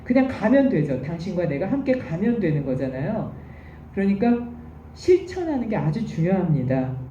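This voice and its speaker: Dark-voiced woman lecturing in an echoey room. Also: fairly low pitch, big pitch swings, normal speed, slight background noise. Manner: patient explanatory teaching. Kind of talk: recorded university lecture. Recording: echoey, distant, dull room recording.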